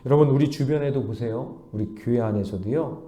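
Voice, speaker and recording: A man's voice: medium pitch, a little fast, mellow. A male pastor preaching an early morning sermon, often asking the congregation questions and leading them in reading verses aloud.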